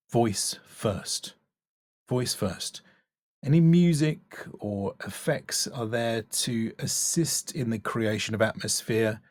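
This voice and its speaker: A man's voice: fairly low pitch, darkish tone, no room sound, studio quality. A man working as a voice-over coach, giving a casual, thoughtful spoken critique and stressing key words. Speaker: voice-over coach reviewing demo reels.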